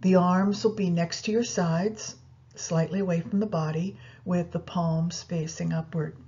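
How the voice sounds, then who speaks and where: A woman leading a guided yoga nidra meditation, giving unhurried instructions directly to the listener. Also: lowish voice, steady tone, warm tone, slightly rough, muffled recording.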